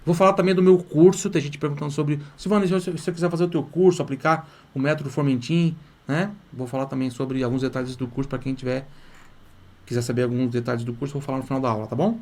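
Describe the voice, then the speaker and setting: A man's voice: medium pitch, fairly even intonation, quick pace, darkish tone. A man from Brazil with a Brazilian accent, hosting a live online language class in an enthusiastic, coaxing way and checking in with his audience often. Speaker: language teacher and course host.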